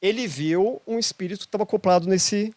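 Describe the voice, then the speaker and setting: A man with a Brazilian Portuguese accent tells a story as a guest in a casual podcast chat. His voice sits fairly high, and he leans on emphatic repetition to drive his points home. The sound is dry and close, with no room around it. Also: brisk, darkish tone, no echo. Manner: emphatic, repeats phrases for emphasis. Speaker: podcast guest, holistic therapist.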